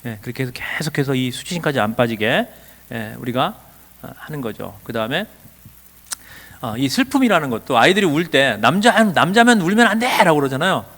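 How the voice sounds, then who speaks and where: A man's voice: mid-range voice, very animated, brisk, a bit bright. A middle-aged man lecturing at a church teacher training, asking rhetorical questions and acting out short bits of dialogue. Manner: asks rhetorical questions, acts out quoted dialogue. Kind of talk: lively seminar lecture.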